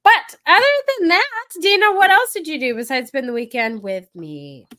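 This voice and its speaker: A woman's voice: sits high, expressive, moderate pace, bright, forceful tone. A woman from Texas hosting a podcast in casual chat, sounding nasal from hay fever and filling her talk with "like". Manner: chatty, upbeat, many "like" fillers. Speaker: podcast host.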